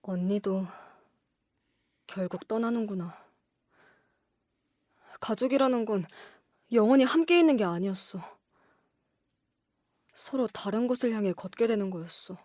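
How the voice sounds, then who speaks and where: A wistful, anxious young woman played by a voice actress speaks in an audio drama. Her medium-pitched voice is recorded dry and close, full of fear of being left behind. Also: expressive, measured pace, pauses often, a little mellow, no echo, lightly acted. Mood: resigned sorrow.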